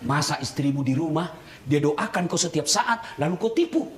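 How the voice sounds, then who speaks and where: A man's voice: fairly high pitch, moderate pace. A man preaching a sermon, joking with the crowd and firing rhetorical questions. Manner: animated, teasing, joking with the audience, rhetorical questions. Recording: echoey hall with background noise.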